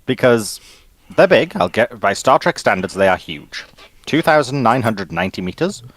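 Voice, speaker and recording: A man's voice: mid-range voice, very animated, normal speed, fairly bright tone. A man chatting casually as a guest panelist, giving his opinions. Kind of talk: casual discussion of science fiction ships.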